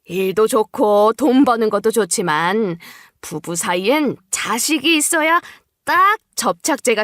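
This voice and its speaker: Woman doing a pushy older mother-in-law in a story drama, coaxing and scolding, swingy pitch. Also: a bit bright, no echo, studio quality. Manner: coaxing, admonishing. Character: nagging older mother-in-law pressing for a grandchild.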